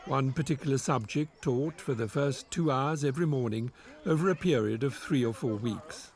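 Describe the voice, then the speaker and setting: A man narrating a documentary in a measured, explanatory way and interviewing a teacher. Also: medium pitch, a little mellow.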